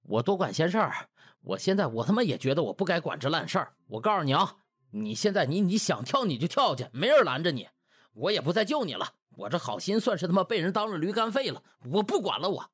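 A man's voice: high-pitched, very animated, quick pace, breathy edge, no echo, clean studio sound, voice pushed up, heavily acted. A man voicing a brash, indignant, foul-mouthed young man who blusters and gripes in a comic audiobook. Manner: blustering, muttering, colloquial griping. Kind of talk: dramatized comic web-novel audiobook.

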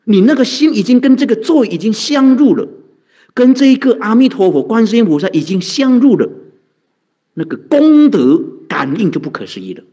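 A man, a Buddhist monk, telling a story in a dharma talk, animated and chuckling, chanting mantras slowly. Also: high-pitched, slightly rough. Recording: dull lo-fi recording.

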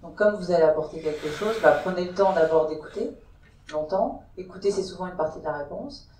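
A woman's voice: on the low side, a little fast, warm tone, a little hiss or hum. A woman panelist at a round-table discussion, speaking hesitantly with many restarts into a handheld mic. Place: large conference hall. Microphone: handheld mic, filmed from far. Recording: echoey hall from far off.

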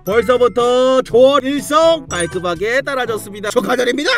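A man's voice: very high voice, moderate pace. A man doing live game commentary as a streamer, theatrical and exclamatory, playfully addressing his viewers. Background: game music.

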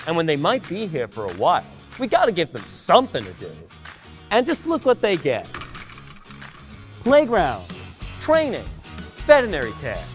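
Advert dog mascot, played by a man: American, highish, bouncy and cheeky over loud music. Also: wildly swooping pitch, moderate pace, long pauses. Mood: chirpy. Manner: upbeat, bouncy. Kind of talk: charity advert presenting.

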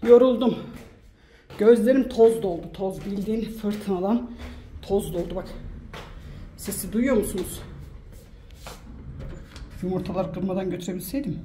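A woman chats easily to her viewers outdoors in a farmyard, her voice sitting in a middle register. When she turns to her hens, she coos at them fondly in a higher voice. Faint wind and clucking chickens hang behind her. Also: unhurried, pauses often, mellow. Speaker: village life vlogger. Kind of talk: casual vlog chat to viewers.

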